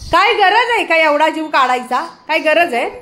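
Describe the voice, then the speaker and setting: A woman, talking casually at home and loudly scolding and calling to her pet dog. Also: sits high, lively intonation, normal speed. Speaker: pet vlogger. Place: home, indoors. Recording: echoey room, faint background noise.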